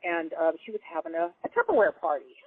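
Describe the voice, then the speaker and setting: A woman guest on a radio talk show telling stories in an animated, laughing way. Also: lowish voice, brisk, vocal fry, breathy edge. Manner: animated storyteller, laughs often. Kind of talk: casual radio chat. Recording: dry phone-line call audio.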